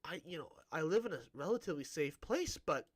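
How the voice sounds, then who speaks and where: This Great Plains man with a Midwestern American accent rambles and chats while live-streaming a game, frequently restarting his sentences. His voice is a little high with lively intonation and a fairly quick pace, captured in a dry recording.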